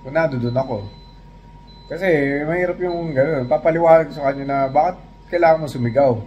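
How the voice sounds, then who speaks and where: A man's voice: on the high side, brisk, lo-fi sound, slight background noise. A man from the Philippines, a vlogger, chatting casually and recounting a work story in an easygoing way. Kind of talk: casual chat.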